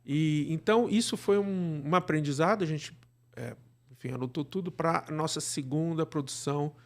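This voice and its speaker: A man's voice: a little high, normal speed. A Brazilian man explaining things conversationally as an interview guest, often checking for agreement with little tag questions. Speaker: interview guest, radio drama director.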